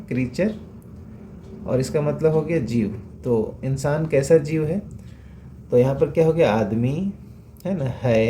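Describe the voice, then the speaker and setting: A man's voice: mid-range voice, warm tone, slight background noise. A man teaching English reading, patiently repeating sounds and checking in with rhetorical questions. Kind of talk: phonics lesson explained in Hindi.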